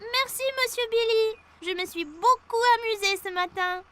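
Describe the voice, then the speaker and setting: A woman's voice: very high-pitched, moderate pace, pushed and bright. A woman voicing an eager, sweet four-year-old boy in a cartoon dub, exclamatory and childlike. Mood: delighted. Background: background music.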